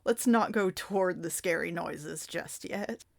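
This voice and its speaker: A woman's voice: fairly low pitch, unhurried, creaky, a little hiss or hum. A woman reading a storybook aloud expressively as host, with playful, dramatic asides to the listener. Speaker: host reading a choose-your-own-adventure book aloud. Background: music under the voice.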